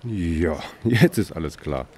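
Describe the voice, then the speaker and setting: A man's voice: low voice, lively intonation, slow pace, a little mellow, husky, full character voice. An actor playing a dry, sarcastic male police dispatcher taking an emergency call. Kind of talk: radio play acting.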